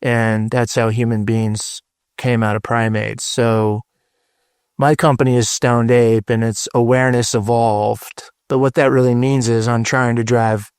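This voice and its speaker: A man's voice: mid-range voice, flat delivery, a little slow, a little mellow, clear, resonant tone, dry recording, clean studio sound. A middle-aged man, a podcast guest, giving emphatic, profane motivational talk in a casual interview. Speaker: guest, branding strategist.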